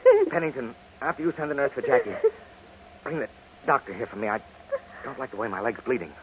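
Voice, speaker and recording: A man's voice: mid-range voice, expressive, quick pace, close to an everyday voice. An actor playing a stern, urgent young man in an old-time radio drama, clipped and commanding. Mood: pained, urgent. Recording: muffled, noisy old radio recording.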